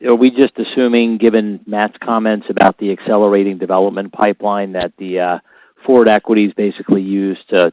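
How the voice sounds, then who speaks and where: A male analyst phoning from a dead-quiet, dry-sounding spot into an investor call, tentatively putting his questions. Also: fairly low pitch, no room sound. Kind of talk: unscripted earnings-call questioning. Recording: dry, tinny phone line.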